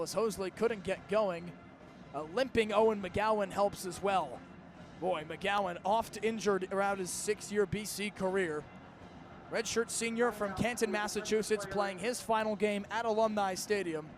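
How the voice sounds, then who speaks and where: A young American man in his early twenties doing energetic, vivid live play-by-play of football on the radio. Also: high voice, a little hiss or hum. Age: early 20s. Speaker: play-by-play announcer.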